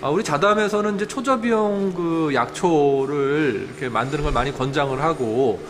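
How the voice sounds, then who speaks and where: A man conducting an on-site interview, asking halting, rambling questions in an indoor farm facility. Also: fairly high pitch, a bit bright. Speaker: interviewer visiting an organic farming cooperative. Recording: roomy echo, faint background noise.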